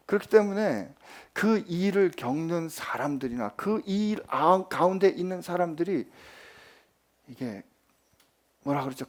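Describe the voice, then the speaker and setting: A male pastor delivering a sermon, moving between loud, emphatic pleading and soft near-whispers, and putting rhetorical questions to his listeners. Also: a little high, gravelly. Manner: asks the congregation rhetorical questions.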